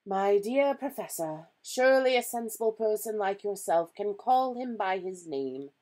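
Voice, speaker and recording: A woman plays a kindly old male wizard from a storybook. He talks slowly, with courteous, gentle patience. His phrases rise and fall widely, yet stay calm and measured. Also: medium pitch, voice pushed up, close to an everyday voice. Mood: patient. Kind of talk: storybook character reading.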